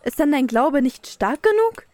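A woman's voice: sits high, sing-song, normal speed, a little mellow, no room sound, faint music behind. An actress playing a pious, bossy teenage peasant girl in a medieval radio play, scolding earnestly. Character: pious bossy sixteen-year-old eldest sister, medieval peasant girl. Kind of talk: German radio play acting.

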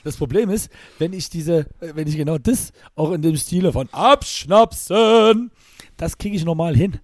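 A man with a slightly husky, somewhat high voice co-hosts a podcast in loose, casual chat. He rambles, restarts his sentences and fills pauses with hesitation sounds. The close, dry studio sound leaves no room echo. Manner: rambling, restarts often with filler sounds, chuckles. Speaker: podcast co-host and DJ.

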